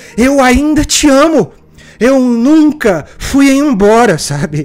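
A man speaks with ordinary pitch variation. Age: 20s. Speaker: lay preacher podcaster. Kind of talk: sermon. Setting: live stream.

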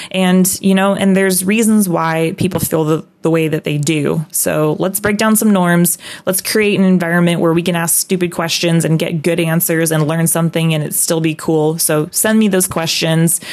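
A woman with an American accent speaks in a fairly low voice at a moderate pace. Her loudness stays very even and she hardly pauses at all. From US Pacific Northwest, Washington. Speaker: fishing guide and podcast host. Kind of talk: solo podcast monologue. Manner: animated.

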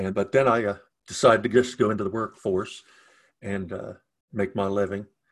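A man with a West Virginia accent speaks at a moderate pace with a fairly low pitch. His intonation is fairly even, with long, frequent pauses. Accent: West Virginia Appalachian English. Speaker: political candidate, retired delivery driver. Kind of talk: interview. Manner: halting.

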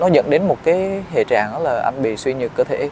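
A man speaks against noticeable background noise. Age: 20s. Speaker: pixel artist. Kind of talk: casual chat. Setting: outdoors.

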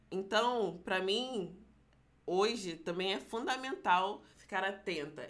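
A woman talks at a very slow pace with audible room echo. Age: 20s. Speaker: youtuber and podcast co-host. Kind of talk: casual chat.

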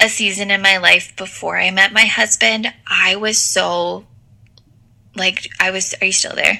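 With noticeable background noise in the mix, a woman talks at a fairly slow pace. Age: 20s. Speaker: podcaster and young mother. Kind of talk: casual interview.

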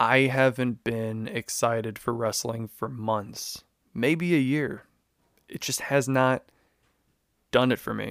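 A medium-pitched man with an American accent, very slow with long, frequent pauses and fairly even intonation, in a dry, close sound with no echo on a very clean recording with a silent background. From Chicago, US Midwest. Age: 20s. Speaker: podcast host. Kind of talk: casual solo monologue.

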